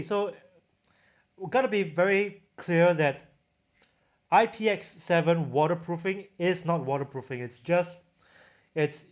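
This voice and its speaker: A man with a Singaporean accent chatting casually as a livestream host, reading out and answering viewer questions. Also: fairly high pitch. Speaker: livestream host, audio gear reviewer.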